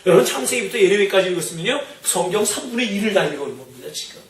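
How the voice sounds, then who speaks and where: A man's voice: high voice, animated, racing. A man preaching a sermon as pastor, telling a story, acting out the people in it and putting questions to the congregation. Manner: storytelling, acts out quoted voices, asks the congregation questions. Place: church sanctuary. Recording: roomy church hall, mic at a distance.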